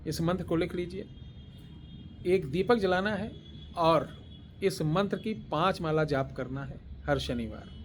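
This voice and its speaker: A man giving spiritual instructions and slowly dictating a mantra, repeating phrases and pausing to clear his throat. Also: on the high side, a little hiss or hum. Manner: slow deliberate dictation, chanting words one by one. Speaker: tantric spiritual teacher.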